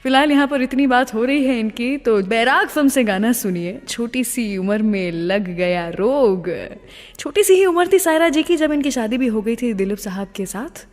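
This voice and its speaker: A woman with an Indian accent hosts a radio show in a fairly high voice. She chats in a gushing, storytelling way and drops in English phrases. Her voice rings with long reverb. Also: moderate pace. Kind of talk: chatty radio presenting with film-star anecdotes.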